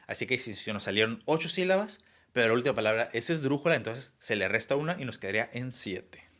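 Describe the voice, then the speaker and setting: A man's voice: medium pitch, lively intonation, fast, a bit bright. A young man explaining a lesson, with frequent fillers and restarts. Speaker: teacher. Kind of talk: online class lecture.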